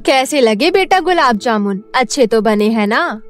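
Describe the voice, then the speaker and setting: A woman's voice: a little high, animated, measured pace, faint music behind. A woman voicing a nagging, scornful stepmother in a cartoon story. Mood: scolding. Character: scolding mean stepmother, middle-aged woman. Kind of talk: cartoon voice acting.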